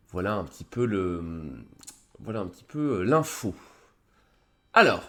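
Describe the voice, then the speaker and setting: A man who has a cold, hosting a live stream, explaining a psychology article in a casual, halting way with many fillers and restarts. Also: low voice, a bit bright. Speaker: streamer presenting a psychology review.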